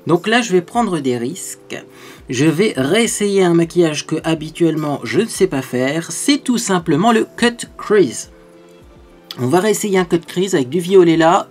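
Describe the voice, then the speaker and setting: A man hosting a makeup tutorial in a casual, chatty way, animated and full of little fillers. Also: on the high side. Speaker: beauty video host.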